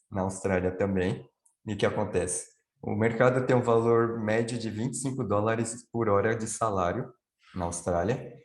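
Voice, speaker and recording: A man's voice: on the low side, darkish tone, roomy sound. A man on a video call explaining things at length, answering his own questions as he goes. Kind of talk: live online Q&A chat.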